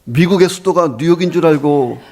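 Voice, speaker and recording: A man's voice: on the high side, brisk, a little mellow. A male pastor voicing a cheeky young boy who answers with chirpy, stubborn replies. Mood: cheerful.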